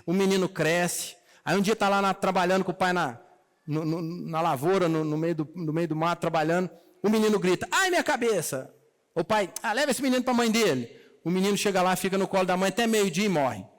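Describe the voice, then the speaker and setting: High-voiced Brazilian preacher in a reverberant hall. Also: male voice, fairly quick. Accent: Brazilian Portuguese. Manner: colloquial storytelling, acting out the characters' lines. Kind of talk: sermon retelling a Bible story. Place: church hall.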